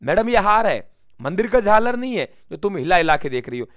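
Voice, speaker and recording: A man voicing a male village jeweler who teases a customer with slow, emphatic repetition. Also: sits high, sing-song, clear, resonant tone, dry recording, clean studio sound. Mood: mocking.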